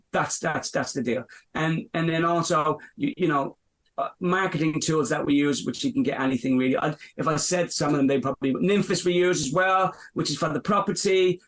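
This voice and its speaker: An Irish man in his fifties from Dublin, who owns a business, gives a podcast interview. His voice is fairly high-pitched and a bit bright, and his replies ramble, full of fillers and restarts.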